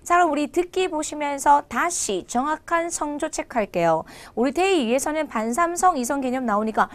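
A woman teaching a Chinese language lesson online, drilling phrases slowly with exaggerated tones. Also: high voice, lively intonation.

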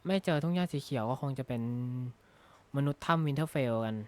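A man's voice: a little high, moderate pace, a little mellow. A man talking casually while he plays a video game, joking and thinking aloud with frequent tag words, recorded on a close desk microphone at a gaming desk. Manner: rambling, jokey, thinks aloud with frequent "na ha" tags. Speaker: gaming YouTuber. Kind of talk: casual Minecraft let's-play commentary. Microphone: close desk mic.

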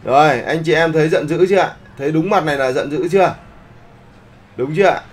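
A man's voice: on the high side, brisk. A man teaching a live online class, often checking that the students follow along. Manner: keeps checking in with the class, polite particles. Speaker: online art instructor.

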